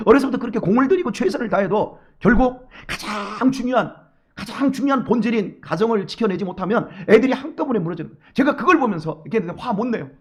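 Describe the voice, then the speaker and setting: A middle-aged male pastor with a high, husky voice preaches an early-morning sermon directly to his congregation. Emphatic and full of rhetorical questions, he swings from hushed asides to loud exhortation.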